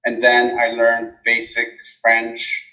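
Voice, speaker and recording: A man whose first language is Arabic answers interview questions in a thoughtful, halting way, with frequent fillers and restarts. His voice is bright and forward, and the recording sounds somewhat dull and lo-fi. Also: medium pitch, monotone. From Jordan. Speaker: interview guest, dissertation coach. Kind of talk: relaxed conversational interview.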